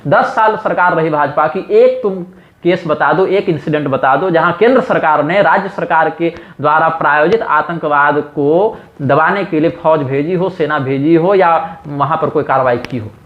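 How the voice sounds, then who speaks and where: An emphatic man delivers a fervent discourse as a religious teacher, driving each point home with rhetorical questions. His voice sits a little high. The sound is roomy and somewhat muffled, like a lo-fi room recording. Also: normal speed. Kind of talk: impassioned monologue.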